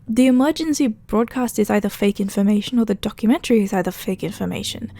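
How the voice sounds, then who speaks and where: A woman's voice: mid-range voice, fast, vocal fry, dark tone, dry recording. A woman narrating a casual recap and commentary as a video essay host, conversational with wry, sardonic asides.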